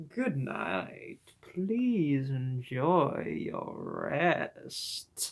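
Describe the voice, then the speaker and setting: This is a put-on character voice pitched low-to-middle. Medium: read story. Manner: sweet, soothing, falsely kind.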